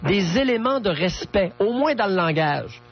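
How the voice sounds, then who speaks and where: High-pitched, husky Quebec male radio host. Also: sing-song, normal speed, faint music behind. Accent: Quebec French. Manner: blunt, lecturing. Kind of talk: conversational phone-in counselling. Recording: dull lo-fi radio recording.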